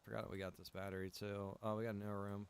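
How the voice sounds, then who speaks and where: A man's voice: lowish voice, level tone, quick pace, creaky, slight background noise. A man past his early twenties chats casually on a gaming livestream, rambling informally and circling back over his phrases. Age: adult, past early twenties. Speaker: game streamer and server owner.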